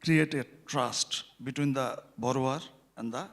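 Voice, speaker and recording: A man's voice: medium pitch, unhurried, vocal fry, fairly bright tone. A man, speaking on a conference panel about microfinance, explaining earnestly with many hesitations and fillers. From Bangladesh. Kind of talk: panel discussion.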